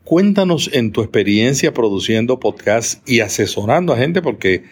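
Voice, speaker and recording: A man hosting a podcast interview, asking attentive, measured questions. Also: mid-range voice, sing-song, breathy edge. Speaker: podcast host. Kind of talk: conversational interview.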